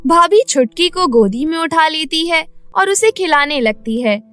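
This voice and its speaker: A woman's voice: high-pitched, expressive, a little slow, a bit bright, soft background music. A woman narrating a scripted bedtime cartoon story as its storyteller.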